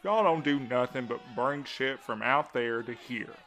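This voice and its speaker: A man's voice: mid-range voice, measured pace, a bit bright, soft background music, lightly acted. A man playing a large, aggressive protester in an audio drama, confrontational and coarse. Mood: hostile, aggressive. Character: large aggressive hostile male protester, bullying townsman.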